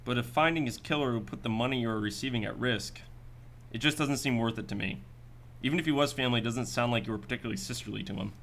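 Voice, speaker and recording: The speaker is a man performing a hard-boiled radio-drama detective who asks skeptical, matter-of-fact questions in a clipped, probing, businesslike way. His voice is natural, medium-pitched, fast and a bit bright, and some hiss or hum is audible.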